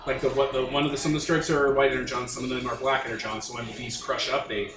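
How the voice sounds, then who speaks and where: A man's voice: medium pitch, flat delivery, fast talker. A man acting as game master, improvising narration and banter in a casual, emphatic way. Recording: roomy echo, off-mic, music underneath. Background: music.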